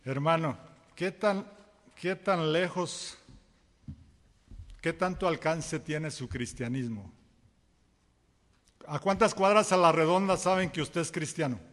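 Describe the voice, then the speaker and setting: Male preacher, folksy storyteller, high voice, echoing church hall. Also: slow, pauses often, a bit bright. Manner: folksy storytelling, acts out dialogue, chuckles. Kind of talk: sermon with a parable.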